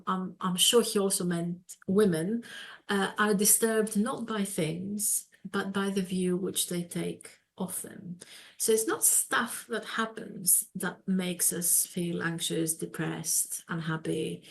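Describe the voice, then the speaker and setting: A woman's voice: on the low side, creaky. A woman with a Greek accent, from Greece, presenting a webinar lecture on psychology, explaining with many fillers and repeated words over a video call microphone.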